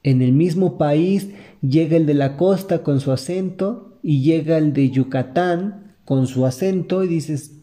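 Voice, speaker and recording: Slow, very dark-voiced Mexican man. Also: fairly high pitch. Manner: earnest, motivational, speaks to the listener directly. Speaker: podcast host. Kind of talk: reflective podcast monologue.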